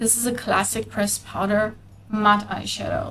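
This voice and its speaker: A woman speaks with a German accent. She keeps a moderate pace. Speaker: makeup artist. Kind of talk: live makeup tutorial. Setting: live stream studio.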